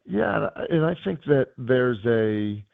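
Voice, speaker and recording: A man with a hoarse, worn-out voice talks football as a guest coach, circling his points with endless fillers and restarts. His low, gravelly tone comes through a thin, tinny phone line. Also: animated, a little slow, dry recording. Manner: rambling, many fillers and restarts. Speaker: guest analyst and high school coach. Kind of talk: casual sports radio chat.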